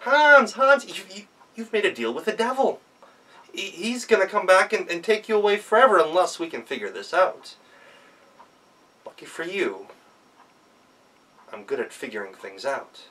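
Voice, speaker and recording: A man's voice: high-pitched, expressive, normal speed, long pauses, bright, forceful tone, distant mic, voice pushed up. A man voicing a clever, take-charge wife in a folktale, talking urgently to her foolish husband. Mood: alarmed, confident.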